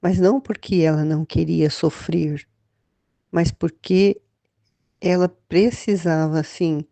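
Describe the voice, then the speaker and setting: A woman's voice: lowish voice, fairly even intonation, slow pace, gravelly, dark tone, dry recording. A woman with a Brazilian Portuguese accent leading a Catholic devotional reflection, speaking hesitantly with many restarts and fillers. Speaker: Catholic study leader.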